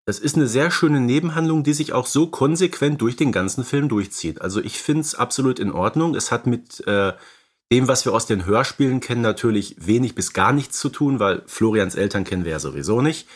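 A man's voice: mid-range voice, expressive, brisk, husky. A man co-hosts a podcast, casually explaining and discussing films in a conversational way. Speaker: podcast co-host.

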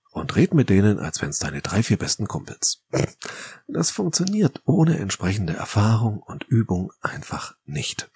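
A man with a German accent hosting a solo podcast as a rhetoric coach, explaining in a lively, conversational way with mock quotes. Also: on the low side, gravelly, slightly rough.

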